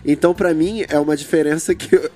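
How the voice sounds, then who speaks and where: A man's voice: fairly high pitch, fairly even intonation, fast, warm tone, soft background music. A man chatting on a podcast, speaking in a hesitant and self-conscious way. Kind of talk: casual podcast chat.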